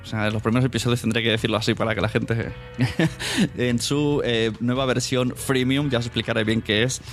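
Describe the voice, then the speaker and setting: A man's voice: mid-range voice, steady tone, brisk, faint music behind. A man hosting a podcast, presenting and interviewing casually in a rambling, self-correcting way. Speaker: podcast host.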